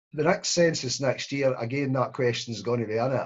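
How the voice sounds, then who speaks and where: A man with a Scottish accent speaks in a somewhat breathy voice. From Scotland. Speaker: Scots-language poet and children's writer. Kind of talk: festival reading talk. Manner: animated.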